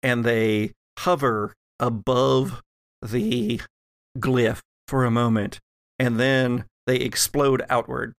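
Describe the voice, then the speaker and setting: A man acting as game master, narrating a tabletop role-playing game in measured phrases with dramatic pauses. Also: mid-range voice, vocal fry, dry recording, studio quality.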